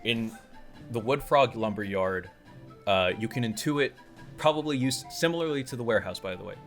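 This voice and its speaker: A man narrating a tabletop roleplaying game as game master, improvising in a halting, conversational way as he thinks aloud. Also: mid-range voice, animated, a bit bright. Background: music.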